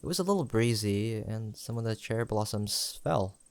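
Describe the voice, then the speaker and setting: A man's voice: on the low side, animated, clean tone, dry recording. A young man playing a tender, teasing best friend turned lover in an intimate romantic audio roleplay, speaking in a hesitant, conversational way. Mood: tender, reflective. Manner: conversational, hesitant, halting delivery with sighs and soft chuckles.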